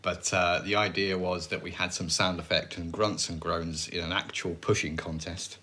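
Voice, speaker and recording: A man's voice: deep voice, steady tone, moderate pace, bright, forceful tone. A man. He banters casually as a podcast co-host, dry and teasing in his delivery. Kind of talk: casual banter over bloopers.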